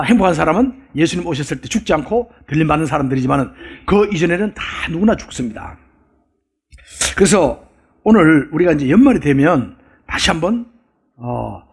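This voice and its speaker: Korean pastor guy preaching, bit high, lively ups and downs, jokey storytelling. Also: creaky, breathy edge. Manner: folksy storytelling with jokes and questions to the congregation. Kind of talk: sermon. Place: church sanctuary.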